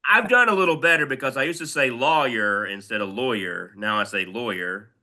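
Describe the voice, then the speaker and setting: A man's voice: medium pitch, brisk, sharp tone. A man with a Georgia Southern accent, chatting as a podcast co-host in a dry, self-deprecating way with some swearing. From Gwinnett County, Georgia, USA. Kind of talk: casual chat.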